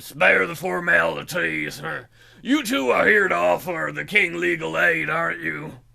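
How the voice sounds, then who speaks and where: Using a put-on character voice, a man speaks in a raspy tone at a moderate pace. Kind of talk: dismissive, impatient. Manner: dumb, silly voice.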